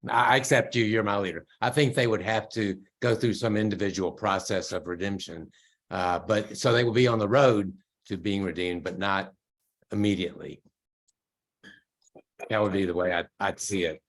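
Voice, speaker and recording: A man's voice: sits low, normal speed. A man in a study group discussion, thinking aloud in a hesitant, thoughtful way. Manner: thoughtful, hesitant, restarts often.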